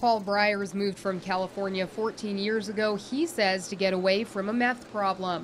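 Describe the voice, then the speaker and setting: A plain, everyday voice from a woman with an American accent, medium pitch, a moderate pace and fairly even intonation. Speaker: TV news anchor and reporter. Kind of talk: TV news field report narration.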